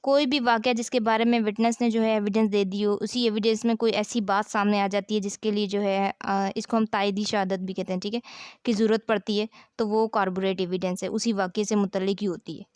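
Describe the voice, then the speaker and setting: A woman's voice: medium pitch, level tone, a little fast, a little mellow, clean tone, dry recording, clean studio sound. A woman with a South Asian accent giving an explanatory lecture as a law teacher, didactic, posing questions and answering them, repeating key phrases.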